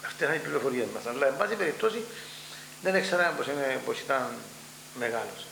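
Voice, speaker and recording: A man's voice: mid-range voice, gravelly. An older man with a Cypriot Greek accent, recalling past events in an oral history interview and acting out the dialogue as he tells it. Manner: animated storytelling, acts out dialogue. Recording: echoey room with faint hum.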